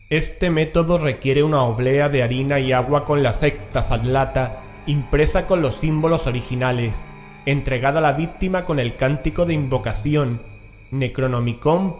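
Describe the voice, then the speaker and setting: A man's voice: mid-range voice, a little mellow. A man reading an occult text aloud as part of a scripted horror audiobook. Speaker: audiobook reader.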